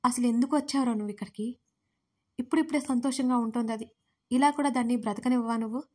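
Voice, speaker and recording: A woman's voice: on the high side, fast talker, a little mellow, close to an everyday voice. A woman reading as an anxious old grandmother. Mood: scolding, pleading. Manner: pleading, scolding.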